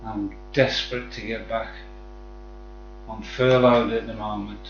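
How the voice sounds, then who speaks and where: On a live stream, a man from the West Midlands with a Black Country accent chats casually, friendly and matey toward his viewers. His voice is low-ish, level, and a little slow, with slight hiss or hum. The sound is dull, in an echoey room with faint music.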